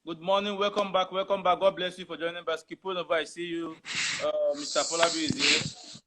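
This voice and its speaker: A man's voice: on the high side, level tone, fairly quick, noisy background. A man hosting a casual live talk show, who keeps repeating his greetings and blessings. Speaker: show host.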